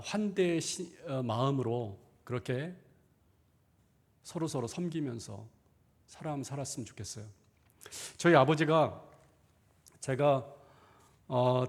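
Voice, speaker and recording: A man's voice: medium pitch, darkish tone. A middle-aged man, a pastor, preaching a conversational sermon in a church, asking rhetorical questions and acting out inner thoughts. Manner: acts out inner thoughts in quoted asides. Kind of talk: sermon seminar. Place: church sanctuary.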